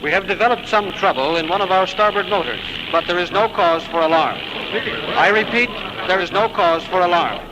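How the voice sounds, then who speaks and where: Calm male airline captain, played by an actor, 1950s radio drama, noticeable hiss. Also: high voice, dull audio, natural voice. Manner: measured public announcement. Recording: hiss of an old radio broadcast.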